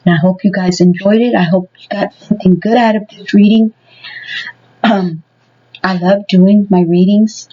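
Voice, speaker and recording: A woman at a middle pitch gives a relaxed tarot reading straight to her viewers. She rambles along and leans on "you know" between thoughts. The sound is dull and lo-fi, like a simple home recording. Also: moderate pace. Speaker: tarot reader.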